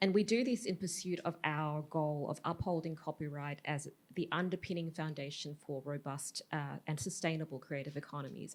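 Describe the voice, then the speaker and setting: A woman speaks at a fairly quick pace with an Australian accent, her pitch very deep and low. Her intonation stays fairly even, and the recording is very clean with a silent background. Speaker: copyright organisation representative. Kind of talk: conference presentation.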